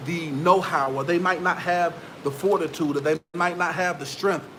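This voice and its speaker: A man's voice: a little high, fairly even intonation, normal speed, noisy background. A man, giving motivational business advice straight to his viewers in a preachy, repetitive way. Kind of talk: motivational talk to camera.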